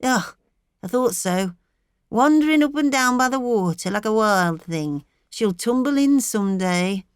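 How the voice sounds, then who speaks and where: A woman's voice: a little high, animated, measured pace, clean tone, dry recording, studio quality, voice pushed up. A woman playing a fretful, complaining country mother. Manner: fretful, plaintive scolding.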